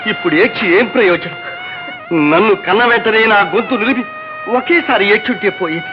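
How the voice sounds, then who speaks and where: An actor as an anguished, furious young son. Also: male voice, sits high, a little fast, close to an everyday voice. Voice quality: anguished, shouting. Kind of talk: dubbed film melodrama. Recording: dull old film soundtrack with music.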